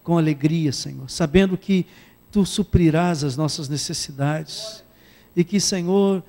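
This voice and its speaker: A man leads a prayer in a warm, mellow voice that sits a little high. He keeps turning to address God directly. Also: a little slow, creaky. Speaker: pastor. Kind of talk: closing prayer.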